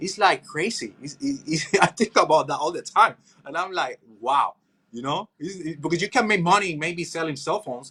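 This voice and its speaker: A man's high voice with a Spanish accent, a bright, sharp tone and lively intonation. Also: moderate pace, big swings in loudness. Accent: Spanish-accented English, noticeable. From Puerto Rico. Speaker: chiropractor. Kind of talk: podcast interview. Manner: animated.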